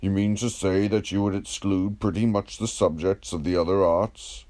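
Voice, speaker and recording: A man reading the part of a patient, ironic, probing philosopher in a dramatised dialogue, in a measured, declamatory, questioning manner. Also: deep voice, steady tone, darkish tone, close to an everyday voice.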